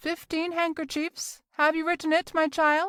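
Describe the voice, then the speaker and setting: A woman puts on a squeaky character voice at an extremely high pitch. She keeps a moderate pace with monotone, flat intonation. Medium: read story. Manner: fussy, gently patient.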